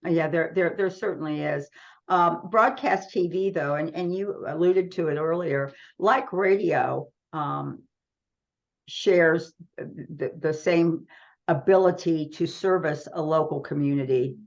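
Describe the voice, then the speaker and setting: Through lo-fi sound, a middle-aged American woman speaks low and unhurried, with vocal fry. A radio trade magazine publisher, she is being interviewed conversationally and explains matters earnestly.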